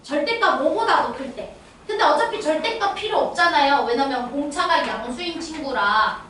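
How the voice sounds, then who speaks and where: A woman's voice: high-pitched, animated, normal speed, fairly bright tone. A woman math teacher lecturing exam students, often checking if they follow along. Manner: checks understanding with constant tag questions. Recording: echoey room, distant mic, faint noise.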